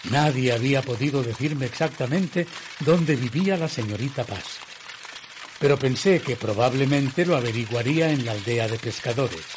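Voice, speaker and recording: An actor playing a reflective gentleman who narrates his own eerie tale in a radio drama, in a measured, literary manner. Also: mid-range voice, background noise, lightly acted. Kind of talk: scripted first-person radio drama narration.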